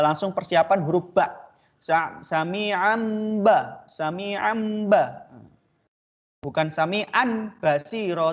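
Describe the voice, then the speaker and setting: A male teacher with a fairly high voice walks students through pronunciation, repeating each Arabic sound slowly and patiently. The recording is dull and lo-fi, with the top end rolled off. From Indonesia. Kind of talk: online tajwid lesson.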